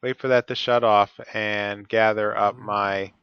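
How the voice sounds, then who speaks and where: Stuffy guy slowly talking thru his game, clear voice, kinda dull lo-fi mic. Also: lowish voice, level tone, no echo. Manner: methodical, talks through each step. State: stuffy from a cold. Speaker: Let's Play host. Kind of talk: casual gameplay commentary.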